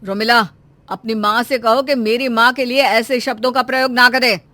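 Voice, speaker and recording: A polite young husband from an animated family story, voiced by a woman. He talks firmly and reasons things out. His voice is bright and recorded dry. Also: on the high side, moderate pace, no echo. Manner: firm, reasoning.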